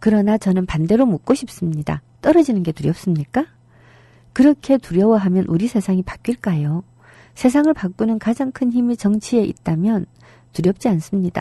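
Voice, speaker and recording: With a Busan accent, a woman speaks at a medium pitch with lively intonation, a dark, mellow tone and a somewhat breathy quality, the sound dry and close with no echo. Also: moderate pace. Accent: Busan (Gyeongsang) Korean regional. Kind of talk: political speech. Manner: rousing, declamatory.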